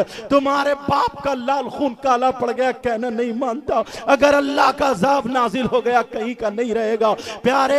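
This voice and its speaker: A male preacher giving a fiery Islamic sermon, telling a story dramatically with shouted, repeated lines. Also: very high voice, creaky.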